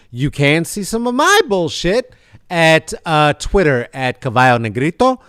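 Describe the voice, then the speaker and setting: A man hosting a casual chat show, rambling and playful, moving from quiet earnest thanks to loud hype. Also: a little high, clear, resonant tone, no echo, clean studio sound. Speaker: podcast host. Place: video call.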